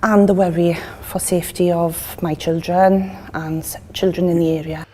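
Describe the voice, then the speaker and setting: A woman in her fifties with a Welsh accent, telling an interviewer her story in an earnest, halting way. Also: lowish voice, level tone, dark tone. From Wales. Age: 50s. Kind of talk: documentary interview.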